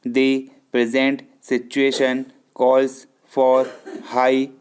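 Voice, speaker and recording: A man with an Indian accent reading a shorthand dictation in deliberate short phrases, speaking the punctuation aloud. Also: medium pitch, monotone, slight background noise. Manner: measured, deliberate, phrase-by-phrase delivery with pauses.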